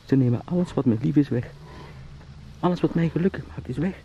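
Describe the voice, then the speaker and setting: A man's voice: fairly high pitch, a little fast, dark tone, muffled recording, slight background noise, natural voice. An actor playing an anguished, pleading young salesman turned beetle in a radio drama, brooding and emotional. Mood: defiant distress.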